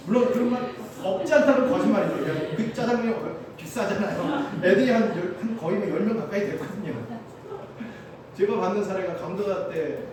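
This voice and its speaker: Animated preaching man, echoey church. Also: high-pitched, fairly quick, noisy background. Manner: animated, acts out complaining churchgoers in raised voice. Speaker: missionary pastor. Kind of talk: sermon. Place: church hall. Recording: echoey church hall, from far off.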